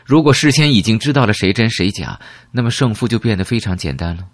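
A man voicing a calm, secretive elderly woman who reminisces in a measured, wistful way in an audiobook. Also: on the low side, dry recording, pitched above the performer's own voice. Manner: slow, measured, reminiscing with rhetorical questions.

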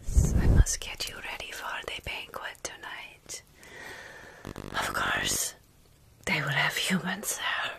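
A woman playing a gentle, centuries-old vampire caretaker in a soothing whispered ASMR roleplay. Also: very deep voice, wildly swooping pitch, gravelly, heavily acted. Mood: soothing, tender. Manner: slow, soothing, measured whispering. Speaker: ASMR performer.

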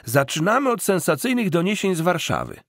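A man's voice: sits high, wildly swooping pitch, a little fast, fairly bright tone, no echo, studio quality, voice pushed up, full character voice. A man voicing a male radio news presenter, reading formally and emphatically as in an audiobook. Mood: urgent, formal.

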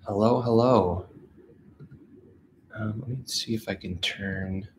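Brief: stuffed-up man in his 30s with a lowish voice, chatty livestream host at home on the couch. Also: slow, darkish tone, slight background noise. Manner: chatty, upbeat, reads out viewer messages. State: stuffed-up nose from allergies. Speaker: channel host. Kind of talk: casual livestream chat. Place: living room with a couch, indoors. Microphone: camera facing him at close range.

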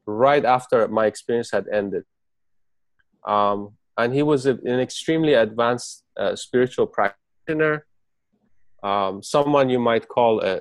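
A man from Persia, raised in the Emirates and speaking Farsi as his first language, gives a halting spoken account with many restarts as an interview guest on a video call. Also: mid-range voice, no echo. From Persian, raised in the UAE.

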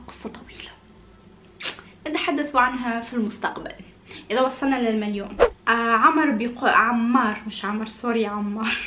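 A woman's voice: a little high, fairly bright tone, echoey room, a little hiss or hum. A woman in her late twenties chatting casually and expressively as she answers viewer questions in a small room. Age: late 20s. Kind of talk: casual chat. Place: small indoor room with red curtains.

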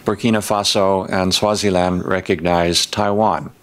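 An older man with a fairly low voice speaks on a panel at a conference table. He sounds measured and methodical, working through numbered points one by one. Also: flat delivery. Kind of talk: prepared policy talk.

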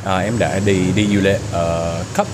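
A young American man, a native English speaker, giving casual interview answers in broken, halting Vietnamese, searching for words with a foreign accent. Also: deep voice. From United States. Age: young adult. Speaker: YouTuber being interviewed. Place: open-air restaurant or cafe. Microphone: handheld small mic with windscreen, shared. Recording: noisy outdoor ambience, traffic and hum.

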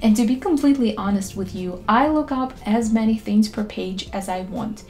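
A young woman who is not a native English speaker, calmly and candidly explaining to the camera in a scripted talk recorded in her bedroom. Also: medium pitch, moderate pace. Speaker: language learning YouTuber. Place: bedroom with photo-covered wall.

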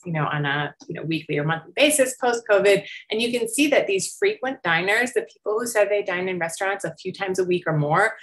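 A woman's voice: fairly low pitch, a bit bright. A middle-aged woman researcher explaining survey results in an informal, conversational slide presentation over a video call. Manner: conversational, explanatory, with frequent hedging and rising check-ins. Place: indoor room, on a video call.

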